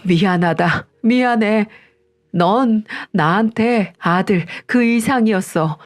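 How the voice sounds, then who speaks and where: A spiteful older mother-in-law barks orders and sneers in a scolding, bullying tone, as a woman reads her part. The voice sits at an ordinary middle pitch. Soft music plays faintly beneath the storybook reading. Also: takes it slowly, lightly acted. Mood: pleading.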